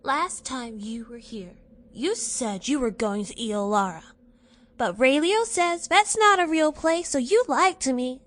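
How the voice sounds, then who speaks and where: A woman's voice: sits high, lively intonation, measured pace, fairly bright tone. A woman playing a nosy, chatty young child in an audio drama, speaking in a prim, inquisitive way. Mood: inquisitive, accusing. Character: nosy, chatty, blunt young child living in space colony.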